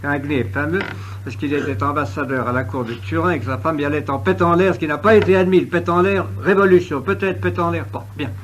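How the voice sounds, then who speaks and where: A man giving a history lecture in an oratorical, emphatic way, with pointed pauses and ironic asides. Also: fairly high pitch, fairly bright tone, dull audio. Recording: noisy old lecture recording with clicks.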